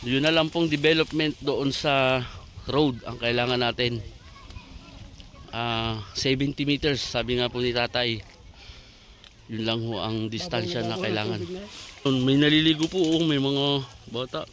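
A man's voice: mid-range voice, a little slow, pauses often, fairly bright tone. A man giving a polite, chatty walking tour of farmland by a river, pointing things out as he goes. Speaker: vlogger showing land for sale. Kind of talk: casual walking tour narration.

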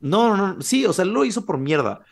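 A man's voice: high-pitched, brisk, vocal fry. A man, a podcast co-host casually telling a horror legend and acting out the quoted lines. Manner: animated, acts out quoted lines.

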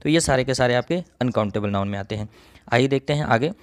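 A man gives a recorded grammar lesson to students, speaking at an ordinary middle pitch. He moves through each rule step by step, repeating himself to make it stick. Now and then he pauses to clear his throat. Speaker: English grammar teacher.

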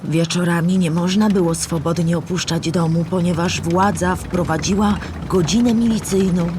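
A woman's voice: lowish voice, fairly even intonation, normal speed, noisy background, natural voice. Female storyteller played by an actress, older witness of history, patient and explanatory; children's audio drama, faint ambience behind. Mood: explanatory, grave. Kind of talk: scripted educational audio drama narration.

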